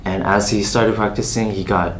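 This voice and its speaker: A young man with a fairly low voice talks softly and reassuringly, leaning on "you know" as he goes. There is a faint hum of noise behind him. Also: fairly even intonation, moderate pace. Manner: gentle, reassuring, many "you know" fillers. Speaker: K-pop idol answering a fan. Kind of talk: casual chat.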